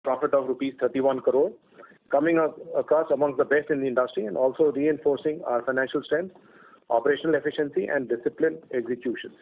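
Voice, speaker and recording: A man with an Indian accent reads prepared company results in a formal, measured way as an executive presenting on a conference call. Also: medium pitch, fairly even intonation. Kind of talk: scripted corporate presentation read aloud. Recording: phone-like narrowband conference call line.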